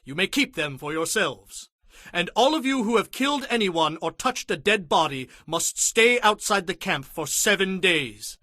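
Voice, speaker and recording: A stern high-voiced prophet lawgiver. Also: male voice, expressive, moderate pace, pushed and bright, no room sound, heavily acted. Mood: angry, commanding. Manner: declamatory, authoritative. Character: Moses, stern commanding male prophet and lawgiver. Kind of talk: dramatized audio Bible acting.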